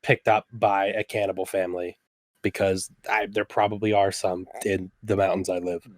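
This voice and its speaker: A man's voice: deep voice, level tone, normal speed. A young man from West Virginia, chatting as a podcast guest in a rambling, enthusiastic way. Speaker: guest, slasher fan. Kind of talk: casual podcast chat.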